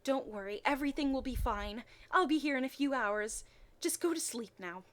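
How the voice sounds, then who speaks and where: A woman's voice: sits high, animated, moderate pace, fairly bright tone, voice pushed up. A woman voicing an exasperated young mother in a story, bossy yet fond, firm and scolding. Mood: soothing.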